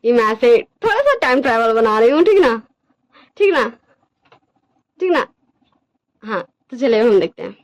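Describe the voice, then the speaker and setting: A woman's voice: fairly high pitch, sing-song, normal speed, pauses often, muffled recording. A woman casually narrating her own fan fiction story, chatty and checking in with her listeners.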